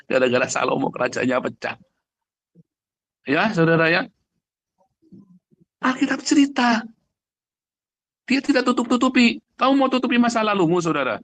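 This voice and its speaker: A man's voice: sits high, very animated, moderate pace, pauses often, a bit bright, no room sound. A man preaching in a conversational, blunt and emphatic way, addressing listeners directly and asking rhetorical questions. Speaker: preacher, pastor. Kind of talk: conversational livestream sermon.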